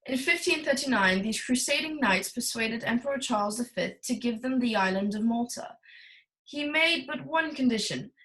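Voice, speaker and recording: Actress as grandiose fat crime boss, fairly high voice, formal, courtly, obsessive, 1940s radio noir. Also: female voice, lively intonation, moderate pace, a bit bright, poor audio. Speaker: voice actor.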